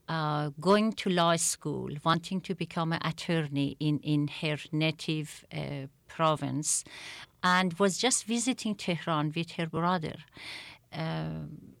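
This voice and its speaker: A middle-aged woman from Iran answers interview questions in a deliberate, halting way, often repeating words as she restarts her sentences. Her voice sits low and her pace is slow. The recording is dry, with no room sound. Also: fairly bright tone, no room sound. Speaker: guest, attorney and activist.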